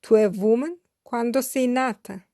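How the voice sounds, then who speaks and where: A woman teaching a beginner lesson in a slow, scripted way, spelling out each phrase carefully and repeating it. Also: fairly high pitch, warm tone, no echo, clean studio sound. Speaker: language teacher.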